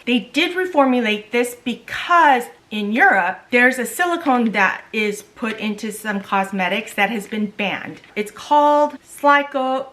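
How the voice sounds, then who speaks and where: A woman's voice: on the high side, a bit bright. Chatty middle-aged woman beauty vlogger. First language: Korean. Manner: chatty, loses words and restarts. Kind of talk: casual makeup tutorial chat.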